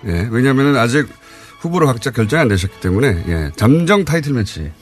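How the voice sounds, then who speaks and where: A man's voice: mid-range voice, big pitch swings, fairly quick, soft background music. A man hosting a live radio current-affairs show, talking in an informal, opinionated way with rhetorical questions.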